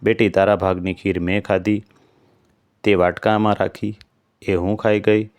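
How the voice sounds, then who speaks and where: A man voicing a kind, motherly female cobra goddess in a devotional storybook, speaking gently and soothingly in a low, flat tone. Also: normal speed, dry recording, close to an everyday voice. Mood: consoling.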